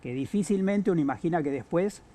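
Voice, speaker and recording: A man with an Argentine accent, giving analysis on a political talk show, halting with many fillers and restarts. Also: on the high side, expressive, warm tone. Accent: Argentine Spanish. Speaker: guest analyst.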